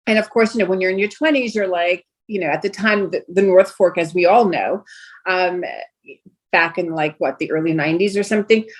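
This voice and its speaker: A middle-aged woman from Brooklyn talks in a slightly low voice. Her was Greek. She chats loosely as an interview guest, full of "you know" and restarts. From Brooklyn, New York. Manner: chatty, many fillers and restarts. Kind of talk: casual interview chat.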